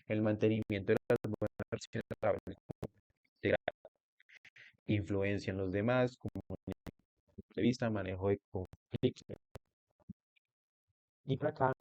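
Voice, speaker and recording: Low, mellow-voiced male instructor. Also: dry recording. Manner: explanatory, with restarts and questions to the student. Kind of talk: online class lecture. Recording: dull lo-fi recording.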